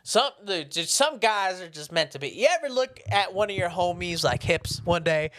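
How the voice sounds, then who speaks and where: A man's voice: high voice, expressive, moderate pace, a bit bright. A man co-hosting a podcast, talking in slangy, teasing banter. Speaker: podcast co-host. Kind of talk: casual chat.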